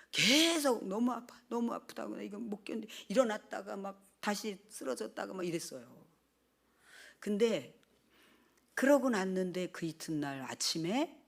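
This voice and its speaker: An older woman pastor gives a sermon testimony in a medium-pitched voice. She tells her story with lively, animated delivery, acting out the quoted speech.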